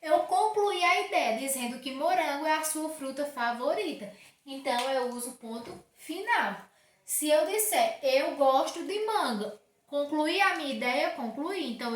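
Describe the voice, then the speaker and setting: High-voiced Brazilian teacher in an echoey room. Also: female voice. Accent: Brazilian Portuguese. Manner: warm teacher talk, checks in with "certo?" often. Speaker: primary school teacher. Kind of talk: remote lesson to children. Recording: roomy echo, distant from mic.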